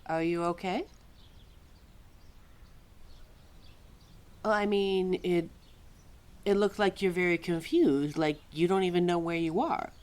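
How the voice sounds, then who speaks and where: A woman's voice: on the low side, normal speed, darkish tone, natural voice. A woman playing a scatterbrained, centuries-old keeper of forgotten lore in a roleplay audio drama, flustered and hesitant as she talks to a listener. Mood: welcoming, puzzled.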